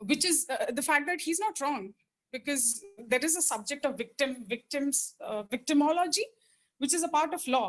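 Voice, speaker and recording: A woman's high-pitched voice with an Indian accent and lively intonation. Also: moderate pace. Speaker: lawyer. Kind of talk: casual chat. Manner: halting, many fillers.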